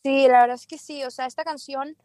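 Lively woman singer, a bit higher voice. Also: a little fast, dry recording. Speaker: singer guest. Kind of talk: casual interview chat.

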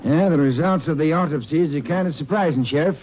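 Casting: plainspoken country doctor, fairly high male voice, muffled vintage radio. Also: fast, breathy edge. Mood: matter-of-fact. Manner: plainspoken, explanatory. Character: matter-of-fact male small-town doctor. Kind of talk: 1950s radio drama acting. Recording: muffled 1950s radio recording.

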